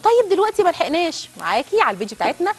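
A woman's voice: very high-pitched, very animated, racing. A woman with an Egyptian accent hosting a TV cooking show, chatting straight to viewers as she cooks in a studio kitchen. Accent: Egyptian Arabic. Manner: chatty, addresses viewers directly. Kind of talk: live cooking demonstration.

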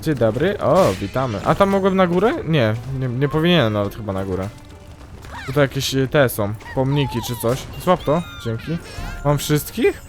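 A young man commentating his own gameplay, excitable and yelping loudly whenever something goes wrong. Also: mid-range voice, normal speed, soft background music. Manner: excitable, yelps and shrieks at mishaps. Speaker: gaming YouTuber. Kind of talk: let's play commentary.

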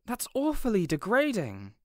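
Man as a lively, considerate supervillain boss. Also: sits high, moderate pace, no room sound, studio quality. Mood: sympathetic, reasoning. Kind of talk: audio roleplay drama acting.

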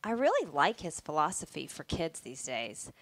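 A woman's voice: low voice, huge pitch swings, normal speed, no echo. A woman co-hosting a podcast, reacting agreeably to the host.

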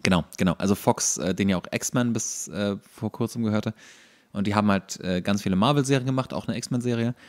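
A man's voice: lowish voice, a little fast, a little mellow. A man co-hosting a casual podcast chat, explaining trivia at length and in detail. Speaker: podcast co-host.

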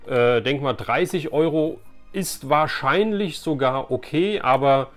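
A man's voice: medium pitch, measured pace. A middle-aged man hosts a casual collector's vlog. He speaks conversationally, telling things like anecdotes and addressing viewers directly. Faint music sits behind his voice. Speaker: YouTube host, collector. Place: small indoor room with shelves of collectibles.

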